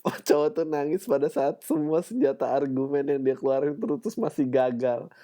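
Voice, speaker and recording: A man's voice: fairly high pitch, expressive, fairly quick, dark tone. Playful podcast host man. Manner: playful, laughs often, mimics others' voices. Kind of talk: casual solo podcast chat.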